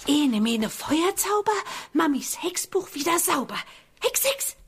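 A woman's voice: sits high, very animated, a little slow, heavily acted. A woman playing an impulsive, exclamatory young witch girl in a German children's audio drama. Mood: casting a spell. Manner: exclamatory, dramatic, talking to herself.

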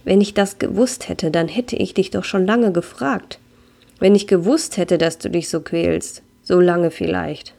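A woman reading as a very old Catholic grandma, low and gravelly. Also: a little slow, mellow. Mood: sad. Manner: earnest, shaking her head as she insists.

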